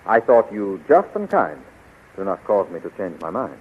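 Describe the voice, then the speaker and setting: An actor playing an earnest, chivalrous young space hero, polite and sincere, in 1930s radio style. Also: male voice, sits low, big pitch swings, moderate pace. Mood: earnest, pleading. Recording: tinny, faintly noisy 1930s radio recording.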